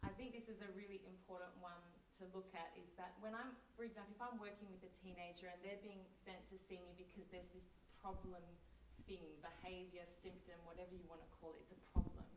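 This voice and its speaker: A woman therapist on a forum panel explaining her work in a clear, counselling way on a handheld mic. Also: lowish voice, flat delivery, fairly quick, noisy background. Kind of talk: panel discussion. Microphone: handheld microphone.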